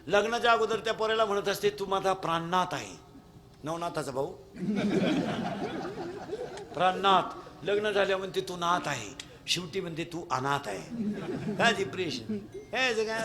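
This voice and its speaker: A man preaching a humorous devotional kirtan sermon, mocking and mimicking people as he talks. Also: high voice. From Maharashtra. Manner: lively, mocking, mimics people in their own voices.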